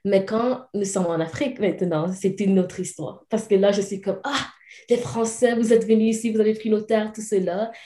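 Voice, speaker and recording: A woman's voice: medium pitch, steady tone, normal speed, mellow, roomy sound, a little hiss or hum. A young woman from Cameroon, a podcast guest talking casually and mixing English words into her French. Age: young adult. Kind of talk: casual interview conversation.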